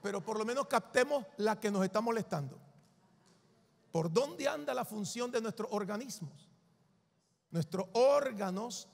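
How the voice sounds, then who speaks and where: A man's voice: high voice, expressive, a little slow, creaky, pauses often, big-room sound. A male preacher delivering an emphatic sermon, repeating his points for the congregation.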